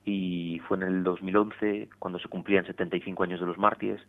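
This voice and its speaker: Deep-voiced priest on a tinny radio line. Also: male voice, little pitch movement. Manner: measured, explanatory, with frequent tag questions. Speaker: priest guest on religious radio. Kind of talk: radio interview.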